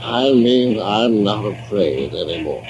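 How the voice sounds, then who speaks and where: An actor playing a plain-spoken, humble diving technician in a 1950s radio drama, with a folksy manner. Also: male voice, on the low side, expressive, takes it slowly, a little mellow, low-quality recording. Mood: quiet. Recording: hissy old radio transcription.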